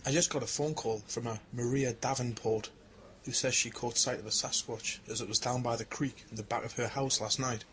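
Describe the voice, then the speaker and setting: A man's voice: medium pitch, fairly even intonation, a little fast, fairly bright tone, a little hiss or hum, close to an everyday voice. A man playing a young English Bigfoot researcher, earnest, with an English accent. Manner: earnest, plain storytelling.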